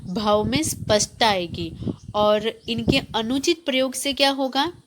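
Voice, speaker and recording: A woman's voice: a little high, unhurried, a little hiss or hum. A woman teacher giving a grammar lesson to schoolchildren, reading from the textbook and asking the class questions. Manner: explains, then repeats points as questions to the class; reads textbook passages aloud, then explains them.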